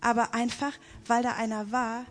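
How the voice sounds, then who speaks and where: A young woman delivers an emphatic spoken-word devotional testimony in a fairly high, level voice. Whenever she quotes lines, she slows way down.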